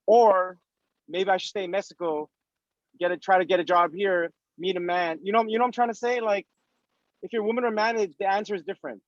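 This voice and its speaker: A man in his thirties with a quite high voice for a male speaker answers casually as an interviewee. He explains emphatically, repeating himself and posing rhetorical questions. The sound is dry and somewhat muffled. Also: steady tone, quick pace, no room sound. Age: 30s. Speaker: interviewee giving career advice.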